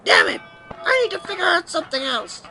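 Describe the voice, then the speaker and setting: Woman acting a very high-pitched wicked princess. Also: very animated, a little fast, pushed and bright, faint music behind, heavily acted. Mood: vengeful. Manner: taunting, theatrical. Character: wicked, scheming princess villain plotting murder. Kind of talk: audio play acting.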